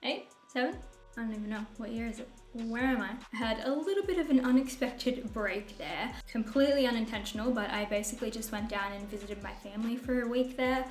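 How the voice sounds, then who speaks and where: A woman in her twenties with a husky voice, chatting casually and rambling cheerfully as a beauty vlogger in a small white room at home. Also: on the high side, brisk, roomy sound, soft background music. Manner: bubbly, rambling, self-mocking with laughs. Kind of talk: casual chatty makeup tutorial.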